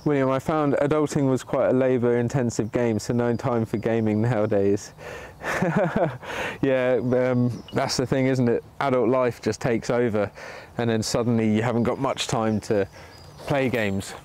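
A man's voice: medium pitch, measured pace, darkish tone. A man hosting a bushcraft livestream outdoors in the woods, chatting casually with viewers while he demonstrates. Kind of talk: casual live commentary while working. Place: sunny woodland outdoors. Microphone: camera pointing down at his hands.

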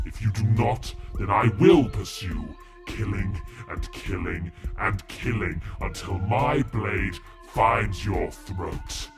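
A man playing a menacing, implacable skeletal fae knight in an audio drama, speaking portentously. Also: lowish voice. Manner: slow, portentous. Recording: music behind the voice.

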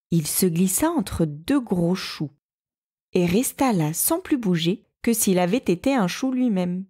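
A woman storyteller reads a children's tale aloud. Her voice sits in a middle register, and she gives the narration a lively, expressive lift. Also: medium pitch.

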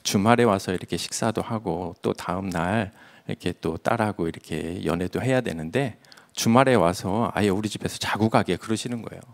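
Male preacher, low and gravelly, storytelling sermon with hushed near-whispered moments. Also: normal speed. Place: church sanctuary.

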